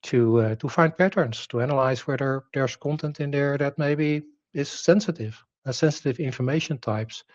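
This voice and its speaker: A man's voice: medium pitch, normal speed, hardly any pauses, darkish tone, no echo, dull audio. A man whose native language is Dutch, giving a technical presentation, explaining with rhetorical questions, fillers and restarts.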